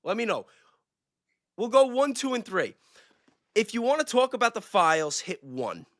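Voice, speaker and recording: A man chats on a livestream in a slightly high, very bright voice. His delivery is informal and slangy, with a speculative bent. The sound is dry, with little room on it. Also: big pitch swings, normal speed, dry recording. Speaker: livestream guest, self-described independent investigator. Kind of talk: casual livestream chat.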